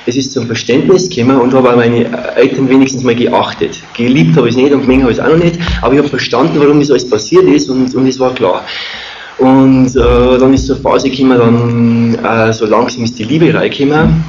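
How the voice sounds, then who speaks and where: A middle-aged man with an Austrian or Bavarian accent tells a personal story informally, in a rambling, halting, colloquial way. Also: mid-range voice, fairly even intonation, a little mellow. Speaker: speaker telling a personal testimony. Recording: muffled, echoey room with clear noise.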